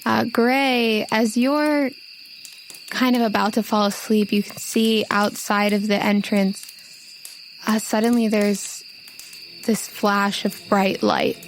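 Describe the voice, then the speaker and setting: A woman hosting a tabletop game podcast as game master, expressive and enthusiastic in her delivery. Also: mid-range voice, slow, a little hiss or hum. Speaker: game master and show host. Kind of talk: announcements and storytelling narration for a tabletop game podcast. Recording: music behind the voice.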